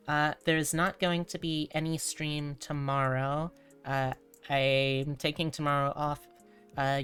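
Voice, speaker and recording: A woman's voice: low-pitched, smooth. A woman hosting a livestream, chatting casually to her viewers in an informal, playful way with cutesy wording. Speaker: livestreamer, VTuber host. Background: background music.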